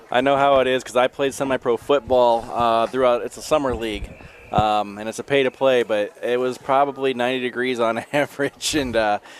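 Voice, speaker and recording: An American man speaks at a fairly quick pace with hardly any pauses, in a medium pitch and a flat monotone. The sound is dry and close with no echo, but noticeable background noise runs underneath. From Ohio, Maumee. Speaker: football color commentator. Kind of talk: live sports commentary. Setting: press box at football stadium.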